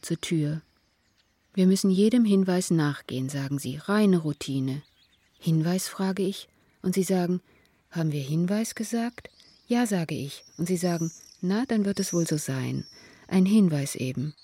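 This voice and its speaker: A woman narrating in the inner voice of an anxious mother in a radio play, quiet and halting, sometimes whispering. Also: fairly low pitch, breathy edge, no room sound. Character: anxious mother of a troubled son.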